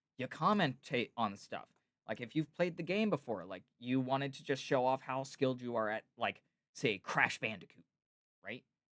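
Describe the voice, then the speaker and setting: A man with a plain, everyday voice talks at a moderate pace and medium pitch, his intonation lively. His loudness swings widely, and the sound is dry and close with no echo. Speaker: podcast host and streamer. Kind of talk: casual chat.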